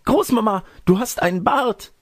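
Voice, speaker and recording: A man's voice: low-pitched, very animated, fairly quick, vocal fry, a little mellow, breathy edge, no room sound, clean studio sound, heavily acted. A man voicing a naive, inquisitive young girl in a storybook tale, full of wondering questions and exclamations. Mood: alarmed. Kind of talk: storybook character reading.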